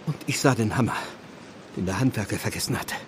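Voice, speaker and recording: An actor playing an anguished village clergyman burdened with guilt, speaking gravely and earnestly in a radio play. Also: on the low side, fast talker, a little hiss or hum, natural voice. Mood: remorseful. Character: anguished, guilt-ridden English village clergyman confessing murder. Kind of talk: German radio play acting.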